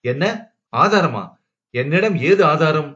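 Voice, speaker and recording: A man's voice: on the high side, expressive, takes it slowly, a bit bright. A man voicing a young wife who is upright and distressed, speaking in a firm, pleading tone. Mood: surprised. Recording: dull lo-fi recording.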